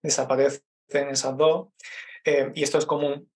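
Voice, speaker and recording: Man, Andalusian accent from Málaga, monotone delivery, explanatory teacher, measured pace. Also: medium pitch. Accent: Andalusian Spanish (Málaga). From Málaga, Spain. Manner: explanatory, measured, frequent "¿no?" tags. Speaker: Spanish teacher, guest. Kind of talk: interview, explaining dialect features.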